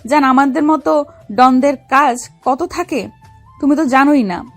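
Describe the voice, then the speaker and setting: Woman acting a bold high-voiced young lady gangster. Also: a little slow. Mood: tender, determined. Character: bold young female gangster don, secretly an undercover officer. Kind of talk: dramatized audio love story. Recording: music under the voice.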